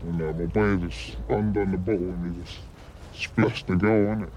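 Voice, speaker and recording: An anonymous interviewee in a documentary, a man whose voice is disguised and pitched down, talking in a cocky, smug way. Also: fairly even intonation, normal speed, darkish tone, slight background noise. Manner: cocky, smug street talk. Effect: disguised voice, pitched down deep.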